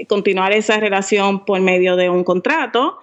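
A woman's voice: mid-range voice, normal speed, lo-fi sound. A woman podcaster chatting as an interview guest, laughing often, self-mocking and dropping in English words. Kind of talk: casual interview chat.

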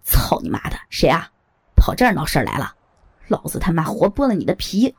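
Woman putting on a gruff thug security chief. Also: lowish voice, sing-song, a little fast, pitched below the performer's own voice, heavily acted. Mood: furious. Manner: swaggering, switches to fawning. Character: gruff man in his thirties, thuggish security chief.

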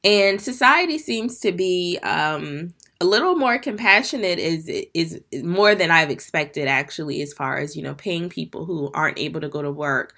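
A woman's voice: fairly low pitch, lively intonation, moderate pace, few pauses, sharp tone. A young adult woman hosting her own podcast, sounding stuffy and congested from allergies, coaching her listeners earnestly and calling them "you guys". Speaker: podcast host. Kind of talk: solo podcast talk to listeners.

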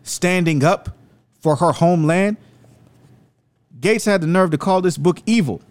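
A man's voice: high-pitched, a little slow, no room sound. A man hosting an opinionated video commentary, speaking in an emphatic, rhetorical and indignant way. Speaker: commentary host.

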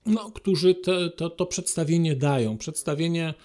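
A man hosting a podcast, speaking formally and politely to listeners in a halting monologue. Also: a little high, darkish tone. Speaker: podcast host.

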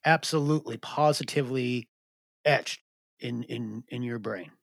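A man's voice: mid-range voice, unhurried, creaky, no echo, clean studio sound. A man co-hosting a podcast discussion, asking curious follow-up questions. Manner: inquisitive, asks follow-up questions.

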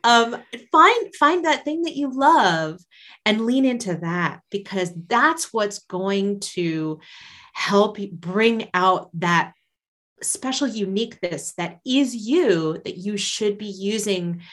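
An upbeat woman being interviewed on a podcast, with a voice of middle pitch. She talks warmly and encouragingly, often breaking into laughter. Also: lively intonation, slow. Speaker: guest, singer and life coach.

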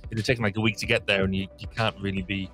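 A man's voice: on the low side, level tone, racing, bright, forceful tone, soft background music. A man with a British accent co-hosting a live podcast, teasing and rambling in casual banter. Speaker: podcast co-host.

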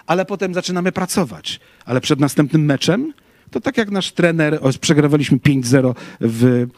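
A middle-aged male pastor lectures with a higher-pitched voice, turning his lesson into lively stories and acting out voices from them. The sound is dry and close, with no room echo. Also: normal speed. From Poland. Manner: animated storytelling, acts out quoted shouts. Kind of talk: lecture with personal anecdotes.

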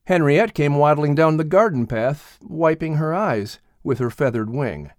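Animated male storybook narrator. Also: a little high, unhurried, no echo, clean studio sound. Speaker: audiobook narrator. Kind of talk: scripted children's story narration.

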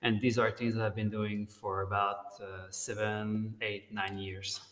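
A man's voice: fairly low pitch, little pitch movement, unhurried, fairly bright tone. A man from Montreal with a strong Québécois French accent, a native French speaker, talking casually as a podcast guest. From Montreal, Canada. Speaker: guest photographer. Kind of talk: podcast interview. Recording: echoey room with long reverb.

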